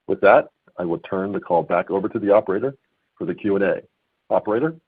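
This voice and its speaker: Deep, husky man on a phone line. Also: quick pace, dry recording. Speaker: company chief executive. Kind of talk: scripted corporate closing remarks. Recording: narrow, phone-like conference call line.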